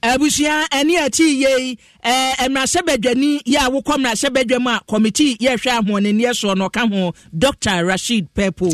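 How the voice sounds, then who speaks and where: High-voiced Ghanaian radio reporter. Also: male voice, steady tone, fairly quick, hardly any pauses, fairly bright tone, dry recording, clean studio sound.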